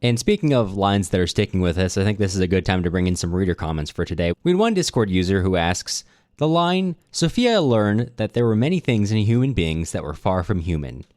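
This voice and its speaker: A man's voice: low-pitched, sing-song, fairly quick, darkish tone, dry recording, studio quality. A man co-hosting a podcast, reading listener comments aloud. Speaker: podcast co-host.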